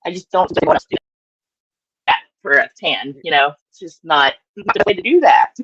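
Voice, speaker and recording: A woman's voice: sits low, animated, moderate pace, a bit bright, breathy edge, dry recording. A woman chatting casually on a video call through a headset, her audio choppy and breaking up. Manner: chatty, laughs easily. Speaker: co-host on a live video call. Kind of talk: casual chat. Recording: dull, muffled call audio.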